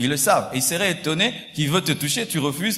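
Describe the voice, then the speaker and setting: Background noise is noticeable. Room echo can be heard too. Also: man. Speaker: pastor. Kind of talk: sermon. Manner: animated.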